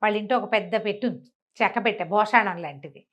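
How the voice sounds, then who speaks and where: An older woman telling a village folk tale, slipping into the characters' voices as she goes. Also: fast. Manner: acts out characters' lines with lively pitch swings. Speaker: storyteller. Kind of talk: animated folk-tale narration.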